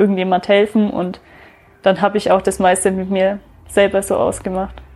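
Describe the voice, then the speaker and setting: Her voice is a woman's, medium in pitch, with a dark, mellow tone and monotone, flat intonation. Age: 20s. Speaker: student youth worker in training. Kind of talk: personal testimony in interview. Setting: guest's room in shared flat.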